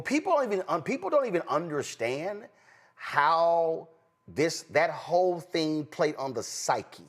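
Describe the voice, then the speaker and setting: A man with a Texan accent hosting political commentary, emphatic, jumping between high exclamations and low asides. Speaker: host.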